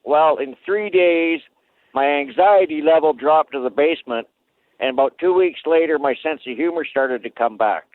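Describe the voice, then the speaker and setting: A man's voice: a little high, moderate pace. A man from Alberta calling into a radio talk show on an old flip phone, telling his story in a plain, hesitant way with lots of uh's. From Alberta, Canada. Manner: plain-spoken, hesitant with frequent uh fillers. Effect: old flip phone call. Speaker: caller. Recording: tinny dry phone line.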